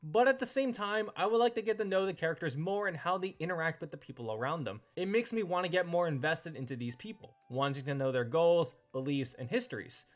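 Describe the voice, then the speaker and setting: A man's voice: a little high, animated, a little fast, few pauses, soft background music. A young man reading a scripted review as the host of a video.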